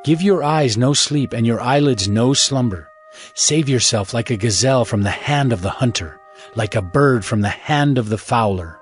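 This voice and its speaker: A man's voice: mid-range voice, lively intonation, normal speed. A man giving a dramatized scripture reading as narrator, in a solemn, fatherly, exhorting manner. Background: music.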